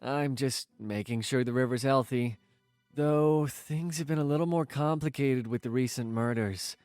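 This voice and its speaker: A man's voice: medium pitch, moderate pace, a little mellow, dry recording, soft background music, close to an everyday voice. A man playing an affectionate, joking young boyfriend in a naturalistic audio drama. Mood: weary, explaining.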